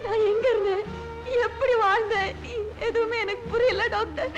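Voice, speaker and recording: A woman's voice: extremely high pitch, steady tone, a little slow, highs cut off, over loud music. A crying amnesiac young woman. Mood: tearful. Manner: pleading, tearful. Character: frightened young woman patient who lost her memory.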